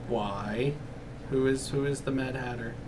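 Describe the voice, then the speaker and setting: A man speaks at a medium pitch in a put-on character voice. Loud background noise runs behind him. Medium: actual play.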